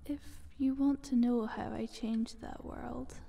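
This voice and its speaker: A woman playing a sly, taunting eldritch monster in a soft, breathy, half-whispered ASMR roleplay. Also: fairly high pitch, steady tone, exaggerated voice. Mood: sly, playful. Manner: slow, teasing, condescending.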